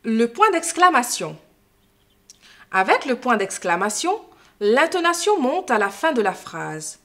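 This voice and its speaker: Slow, melodic woman teaching French. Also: fairly high pitch, big pitch swings, a bit bright. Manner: slow, careful, didactic delivery. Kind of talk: scripted lesson narration.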